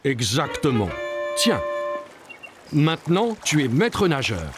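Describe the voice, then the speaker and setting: A man's voice: fairly high pitch, very animated, takes it slowly, over loud music. A man playing a kindly, patient and encouraging father or grandfather in a French children's cartoon. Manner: patient, reassuring, explaining simply.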